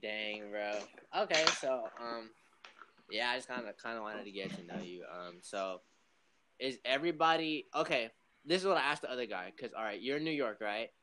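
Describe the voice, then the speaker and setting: A man's voice: medium pitch, moderate pace, background noise. A young man runs a casual interview in a slangy, playful way. He laughs easily and teases his guest. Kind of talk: casual chat.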